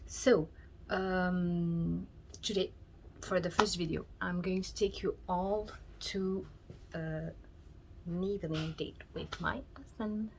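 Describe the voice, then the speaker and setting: A woman vlogging casually to camera, speaking in a hesitant, halting way. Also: lowish voice, steady tone, a little mellow, slight background noise, low-quality recording. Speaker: vlogger introducing a new channel.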